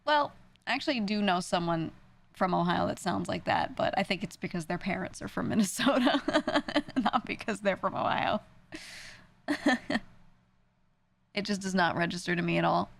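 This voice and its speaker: A woman's voice: medium pitch, animated, moderate pace, creaky, long pauses. A young woman with a New York accent, chatting casually on a stream, rambling and self-deprecating with frequent laughs. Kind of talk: casual stream chat answering viewers.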